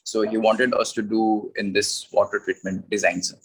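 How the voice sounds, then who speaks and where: A man's voice: on the low side, little pitch movement, moderate pace, a bit bright, breathy edge, rough recording. A young man with a South Asian accent, a native Nepali speaker, answering as an interview candidate in a hesitant, deferential way. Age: young adult.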